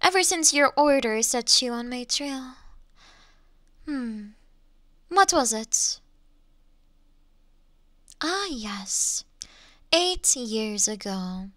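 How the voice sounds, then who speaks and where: A woman playing an ancient, elegant monster in a Victorian fantasy audio drama, teasing her hunter in archaic, formal phrases with lingering pauses. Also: fairly high pitch, lively intonation, a bit bright, no room sound, studio quality, heavily acted. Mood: wistful, amused. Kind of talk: slow theatrical roleplay monologue in Victorian fantasy audio drama.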